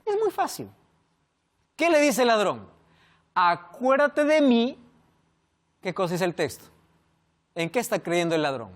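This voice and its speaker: A man preaching a sermon, asking rhetorical questions and swinging from loud emphasis to hushed endings. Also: high-pitched, wildly swooping pitch, normal speed, pauses often.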